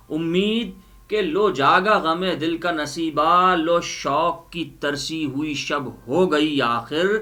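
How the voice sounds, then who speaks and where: Bright, theatrical man reciting poetry over music. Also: on the high side. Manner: theatrical, emphatic, repeats lines for effect. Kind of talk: dramatic Urdu poetry recitation with explanation. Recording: music under the voice.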